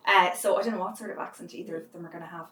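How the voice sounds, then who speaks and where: A woman in her thirties with an Irish accent, a guest chatting casually in an interview and telling lively stories. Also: fairly low pitch, racing, echoey room, distant mic. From Ireland. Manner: chatty, animated storyteller.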